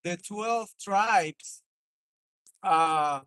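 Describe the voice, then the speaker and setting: Cuban-born man, calm and probing. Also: high voice, very slow. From Cuba. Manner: probing, placating. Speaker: passerby questioner.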